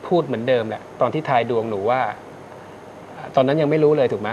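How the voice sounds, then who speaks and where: A man's voice: mid-range voice, quick pace, a little mellow, lo-fi sound, a little hiss or hum. A man hosting a live call-in astrology show, reassuring callers and repeating his key points. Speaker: astrologer host. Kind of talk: live call-in fortune reading.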